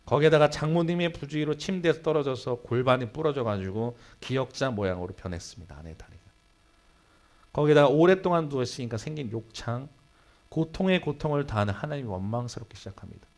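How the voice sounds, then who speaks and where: A man preaching a Sunday sermon in a church, telling a story with sudden swings between loud and hushed delivery. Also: mid-range voice, lively intonation, fast talker. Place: church sanctuary.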